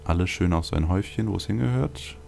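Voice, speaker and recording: A man's voice: low voice, fast, gravelly, a little mellow, a little hiss or hum. A man giving casual gameplay commentary as a let's play host, rambling and thinking aloud. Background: video game music.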